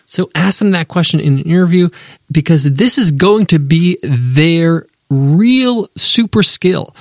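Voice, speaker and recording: Emphatic podcast host, dry close sound. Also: male voice, fairly high pitch, measured pace, no echo. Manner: emphatic, animated, enumerates points. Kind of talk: business advice podcast monologue.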